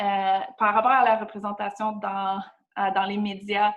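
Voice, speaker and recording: Speaking at a very slow pace with a Quebec accent, a woman keeps a medium pitch and monotone, flat intonation. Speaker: workshop facilitator. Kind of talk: interactive webinar presentation. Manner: halting, many fillers.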